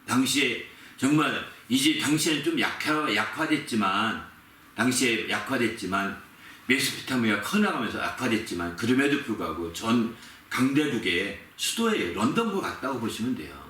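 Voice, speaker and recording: A male pastor preaches a sermon with a bright, forceful voice that leaps up and down in pitch. He tells the story with animation and hammers key words again and again. He is recorded from some distance in a roomy, echoey church. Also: very animated, normal speed. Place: church sanctuary. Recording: echoey room, mic at a distance.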